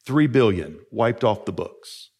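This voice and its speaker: A man's voice: on the low side, expressive, a little slow, darkish tone, breathy edge. A man, a pastor, preaching an earnest and emphatic sermon with rhetorical questions.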